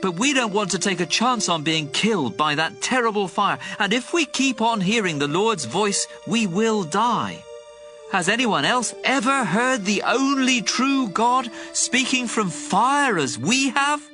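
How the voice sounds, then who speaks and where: An actor playing an awestruck, fearful tribal leader, pleading fervently and urgently in a dramatized audio Bible. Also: male voice, high-pitched, animated, measured pace, sharp tone, faint music behind, heavily acted.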